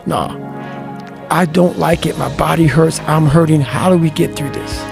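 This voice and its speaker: A man telling a profane, forceful motivational story in an intense talk, with faint music behind him. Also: a little high, moderate pace, creaky. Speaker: motivational speaker.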